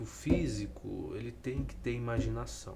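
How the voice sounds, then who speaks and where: Background noise is clearly noticeable. Through it, a man talks. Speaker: physics tutor. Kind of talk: tutorial. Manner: soft-spoken; sarcastic.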